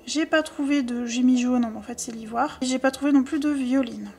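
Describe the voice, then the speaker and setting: Woman tutorial host with a high voice, chatty and practical, running through her colored pencils one by one. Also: a little fast, mellow, slight background noise. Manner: chatty, listing color codes, self-deprecating asides. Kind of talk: casual drawing tutorial.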